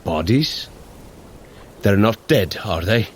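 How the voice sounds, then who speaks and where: A man's voice: fairly low pitch, animated, slow, slight background noise. An actor playing a sincere, good-natured male thunder god in an audio drama. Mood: earnest. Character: earnest, kind-hearted male thunder god.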